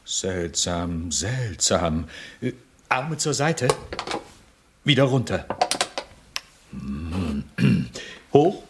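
A man's voice: sits low, big pitch swings, background noise, heavily acted. A man playing a puzzled older head physician examining a patient, in a radio-play clip. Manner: puzzled, clinical, slow.

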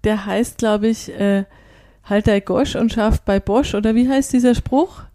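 A woman's voice: a little high, unhurried, mellow, dry recording, clean studio sound. A woman hosting a casual interview, asking questions in a teasing, playful way. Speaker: podcast host.

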